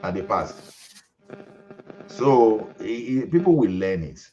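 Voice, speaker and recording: A man's voice: lowish voice, very animated, takes it slowly, warm tone. A Nigerian man hosting a casual group chat, often repeating words as he starts a sentence. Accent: Nigerian English. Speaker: host. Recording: dull lo-fi audio.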